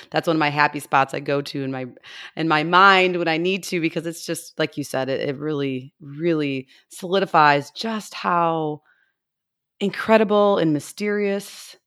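A woman's voice: sits low, normal speed, a bit bright. A woman hosting a podcast interview, chatting eagerly and gushing about the guest's work. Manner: enthusiastic, gushing, with restarts. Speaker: podcast host.

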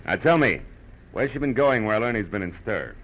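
An actor playing a tough, wry private detective in a dry, clipped 1940s radio noir style. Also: male voice, on the low side, sing-song, fairly quick, fairly bright tone, full character voice, low-quality recording. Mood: casual, probing. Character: hard-boiled, wry male private detective narrating his case. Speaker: lead actor and narrator. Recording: old radio recording.

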